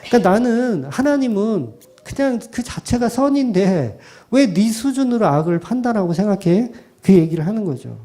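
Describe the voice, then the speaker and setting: A man's voice: high-pitched, moderate pace, hardly any pauses. A male pastor giving an expository sermon, asking the congregation questions and acting out imagined voices. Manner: animated preaching, quoting imagined voices with sudden drops to soft asides.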